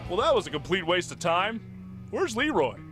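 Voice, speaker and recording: A man voicing a gruff, bossy team leader in an animated comedy, threatening and preachy. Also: high voice, normal speed, faint music behind. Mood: menacing, exasperated.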